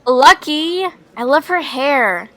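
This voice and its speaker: Woman as an anxious, bright-voiced schoolgirl. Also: on the high side, expressive, moderate pace. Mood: excited. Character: anxious, clumsy, dramatic schoolgirl. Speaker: voice actor in a fan-made Roblox school series. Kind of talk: animated scripted web series dialogue.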